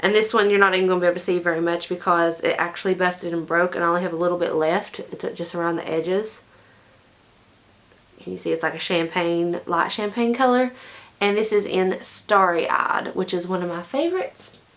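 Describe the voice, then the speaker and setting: A quiet woman at medium pitch, with ordinary pitch variation and a fairly quick pace. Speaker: beauty vlogger. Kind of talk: casual tutorial chat. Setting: at home.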